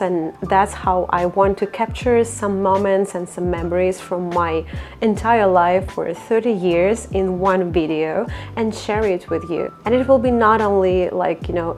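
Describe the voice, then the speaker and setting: A woman's voice: mid-range voice, darkish tone. Chatty Russian-accented woman in her thirties. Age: 30s. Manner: chatty, reflective, non-native phrasing with fillers. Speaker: vlogger. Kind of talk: casual personal vlog.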